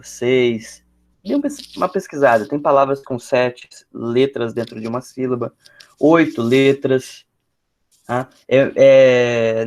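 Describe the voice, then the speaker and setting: A man teaching an English lesson, explaining step by step and thinking aloud with frequent fillers. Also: medium pitch. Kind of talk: classroom lesson explaining grammar.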